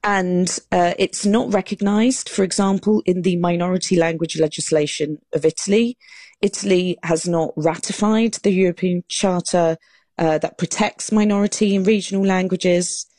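A woman's voice: lowish voice, fairly even intonation, normal speed, mellow, dry recording. A woman author, a guest on a panel talk, explaining in an earnest way and restarting her phrases now and then. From England. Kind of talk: radio panel discussion.

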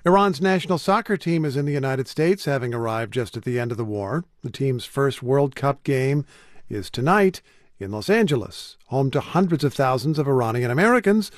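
A man news host reading a scripted introduction in a steady manner. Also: mid-range voice, no echo, studio quality. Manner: steady read.

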